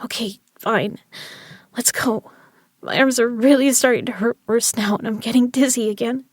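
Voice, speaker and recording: A woman's voice: on the high side, fairly even intonation, moderate pace, no echo, studio quality, close to an everyday voice. A woman acting a stubborn, injured gambler in an audio drama, strained but defiant. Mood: weakened, resigned.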